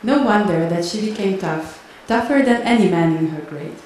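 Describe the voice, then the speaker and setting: A middle-aged woman from Hungary reading a personal monologue aloud in a steady, deliberate way at a stand mic on a stage. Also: medium pitch, a little hiss or hum. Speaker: spoken-word performer. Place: large wooden-walled hall. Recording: echoey hall from a distance.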